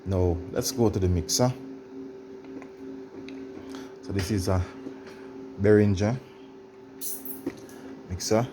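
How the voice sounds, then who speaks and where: A low-pitched male presenter walks viewers through an informal demonstration. He explains haltingly and repeats himself as he goes, speaking straight to the audience. Music is clearly audible behind his voice. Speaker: tutorial presenter.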